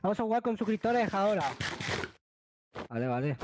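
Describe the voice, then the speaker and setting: A young man with a Latin American Spanish accent in casual gaming chat and roleplay, excitable and slangy. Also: high voice, fairly quick, background noise. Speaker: gaming video creator.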